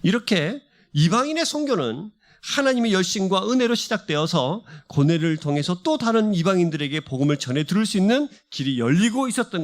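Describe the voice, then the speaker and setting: Male pastor, high and very lively voice, fervent sermon delivery with repeated building phrases. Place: church service.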